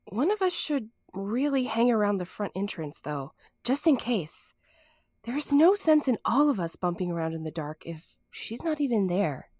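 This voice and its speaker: A woman's voice: mid-range voice, normal speed, no echo, studio quality. A woman acting in an audio drama as an anxious, wry young female sleuth, talkative and a little hesitant. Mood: earnest. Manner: hesitant, expressive.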